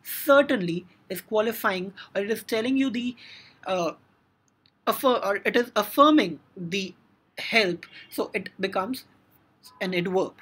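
A woman's voice: medium pitch, unhurried, a bit bright, husky. A woman with an Indian English accent teaching a grammar lesson, explaining step by step with frequent "now" and "so".

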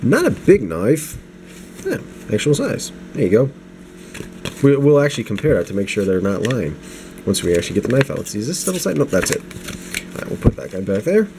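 A man's voice: medium pitch, sing-song, a little fast. A young man getting over the flu, rambling casually through an unscripted knife review at his home desk, with restarts and self-deprecating asides. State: low energy, getting over the flu, sniffly. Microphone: camera mic, hands-only framing. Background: space heater hum.

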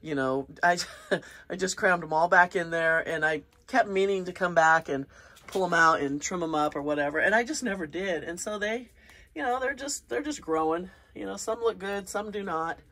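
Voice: medium pitch, moderate pace, sharp tone. A gardening vlogger with a congested, sniffly voice, chatting casually and rambling a little while filming outdoors in a home garden on a handheld phone. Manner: rambling and chatty, with many fillers and small laughs. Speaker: gardening channel host. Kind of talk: casual walk-and-talk garden vlog. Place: outdoors in a home garden after light rain. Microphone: handheld phone camera.

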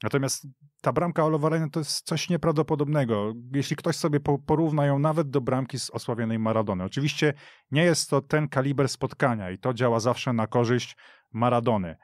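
A man on a radio football show, telling football history in an animated way with firm verdicts, speaking in a studio. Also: mid-range voice, fairly quick, no echo. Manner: animated storytelling with emphatic verdicts. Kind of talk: studio podcast discussion.

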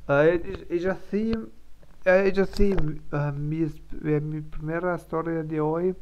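A man's voice: on the high side, fairly even intonation, takes it slowly, darkish tone, smooth, highs cut off. A man who is learning Spanish, stumbling through his daily practice stream with many fillers, restarts and self-corrections. Spanish is not his first language. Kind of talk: halting live-stream practice talk.

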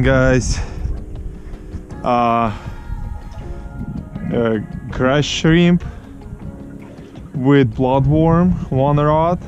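A man whose first language is Ukrainian, narrating a fishing vlog in slow, broken English and calling viewers "guys" from a small boat. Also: mid-range voice. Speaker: fishing vlogger. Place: small boat outdoors on open water. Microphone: action camera on the boat. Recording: outdoor wind and engine noise.

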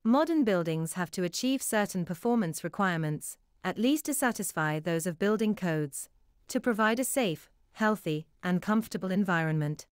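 Clear, smooth woman reading aloud. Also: lowish voice, expressive, normal speed, pauses often, no room sound, clean studio sound. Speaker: model answer reader. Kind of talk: scripted read-aloud exam passage.

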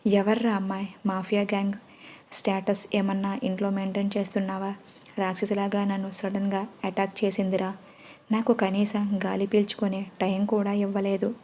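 A woman voicing a panicky, loud-mouthed male manager who complains and shouts in exasperation, in a storybook reading. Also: medium pitch, completely flat delivery, moderate pace, a little hiss or hum, lightly acted. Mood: exasperated.

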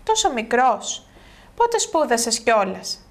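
A friendly, questioning man runs the place, read by a woman with little change to her own voice. He asks one thing after another in a good-natured way. The higher pitch is hers. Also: very animated, gravelly. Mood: curious.

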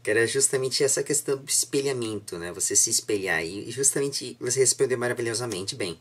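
A man's voice: mid-range voice, fairly quick, fairly bright tone. A man in his twenties with a Brazilian accent, chatting casually as an interviewer. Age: 20s. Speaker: interviewer, host. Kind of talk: casual chat. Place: indoors, room at home.

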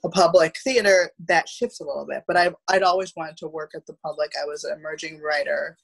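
A woman in her thirties chatting casually on a video call, halting and often repeating words as she goes. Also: deep voice, creaky, husky, rough recording. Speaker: theatre producer, panel guest. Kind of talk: casual roundtable chat. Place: room at home, on a video call.

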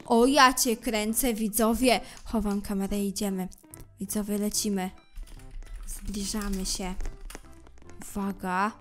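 A woman commenting on a game she is playing. She speaks to her viewers, moving from hushed suspense to loud panicked shouting. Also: mid-range voice, flat delivery, measured pace, pauses often, faint music behind. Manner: talks straight to viewers, swings from hushed suspense to screaming panic. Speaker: gameplay commentator.

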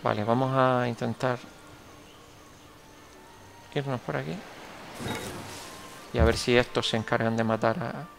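A man's voice: medium pitch, fairly even intonation, measured pace, creaky, pauses often, soft background music. A young man with a Canarian Spanish accent, giving casual gameplay commentary as he plays, rambling and correcting himself as he thinks aloud. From Canary Islands, Spain. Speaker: gameplay tutorial host.

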